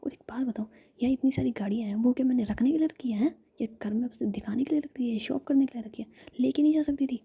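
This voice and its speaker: A bossy, hot-tempered young woman scolds in a low, husky whisper, as a woman storyteller voices her. The tone is dark and gravelly, with a rough edge on every word. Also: steady tone, quick pace. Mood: scolding.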